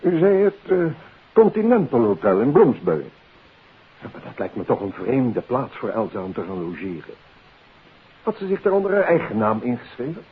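A man's voice: medium pitch, huge pitch swings, normal speed, slightly rough, exaggerated voice. An actor playing an uneasy, formal male suspect in a 1950s Dutch radio play, hesitant and defensive. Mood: guarded. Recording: tinny, hissy old radio recording.

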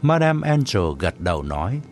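A man reads a story aloud, his pitch rising and falling very widely as he builds scenes. His delivery is expressive and unhurried. Soft music runs underneath. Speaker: narrator. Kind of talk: audiobook narration.

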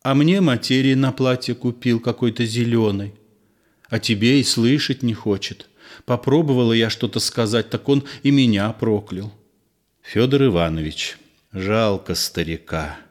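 A man's voice: mid-range voice, moderate pace, natural voice. A man reading an audiobook play, voicing an eager, affectionate young woman in a raised, pleading voice. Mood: earnest.

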